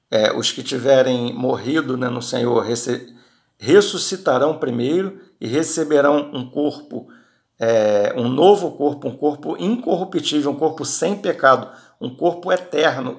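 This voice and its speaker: Male preacher, mid pitch with a gravelly edge, conversational Bible teaching with frequent restarts. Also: fairly bright tone. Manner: frequent tag questions and restarts.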